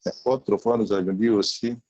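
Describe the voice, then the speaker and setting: A man's voice: fairly low pitch, fairly even intonation, fairly quick, darkish tone, no echo. A man in an online class asking a hesitant question, his voice breaking up into a choppy half-robotic sound from a bad connection. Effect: choppy half-robotic voice from a bad internet connection. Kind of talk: asking a question in a video call. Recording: lo-fi broken-up video call audio.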